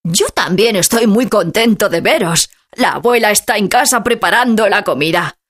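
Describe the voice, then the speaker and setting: A woman's voice: mid-range voice, animated, moderate pace, fairly bright tone, voice pushed up. A woman voicing a proud, cheerful old grandfather with a hearty, friendly manner.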